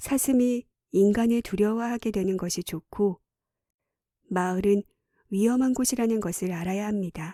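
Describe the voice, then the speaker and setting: With fairly even intonation, a woman of medium pitch speaks at a moderate pace in a dry, close sound with no echo. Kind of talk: audiobook reading.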